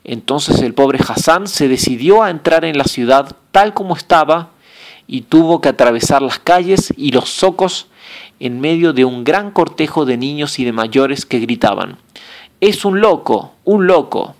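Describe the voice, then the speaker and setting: Man narrating an audiobook, steady. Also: mid-range voice. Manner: measured, steady storytelling reading.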